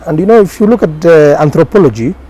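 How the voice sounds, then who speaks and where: A man's voice: on the high side, expressive, quick pace, dark tone, lo-fi sound. A man from Kenya whose first language is Somali, a journalist telling his career story in a casual interview, with many fillers and restarts. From Kenya, grew up in Garissa. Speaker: journalist guest.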